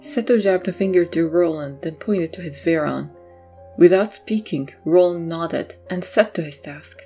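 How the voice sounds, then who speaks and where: A woman's voice: on the low side, normal speed, dark tone, faint music behind. A woman narrating an audio drama in a scripted, storytelling read.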